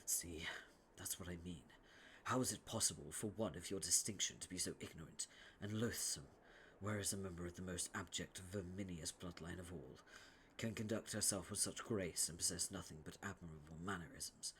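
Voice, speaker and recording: Equius, a man doing a hushed, pompous troll noble. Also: low voice, moderate pace, a little hiss or hum. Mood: brooding. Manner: formal, pompous diction, hushed breathy delivery. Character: stiff, haughty young male troll noble.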